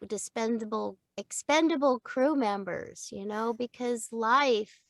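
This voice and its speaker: An older woman talks with a gravelly, slightly high voice, chatty and quick to laugh. She is recorded on a studio mic in a small booth, and the sound is dry and close. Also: no room sound. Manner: chatty, animated, laughs often. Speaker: voice actor guest. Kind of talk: casual interview chat. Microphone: studio microphone.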